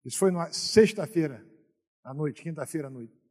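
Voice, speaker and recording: A middle-aged Brazilian man preaching a sermon as a pastor, telling stories and moving from quiet asides to loud exhortation. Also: on the high side, fairly quick, long reverb tail. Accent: Brazilian Portuguese.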